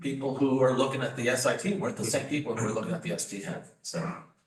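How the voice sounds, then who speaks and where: A man with a fairly high pitch speaks at a very fast pace with lively intonation. Room echo is audible. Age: 70s. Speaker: lawyer. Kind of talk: town meeting report. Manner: halting, many repetitions and fillers.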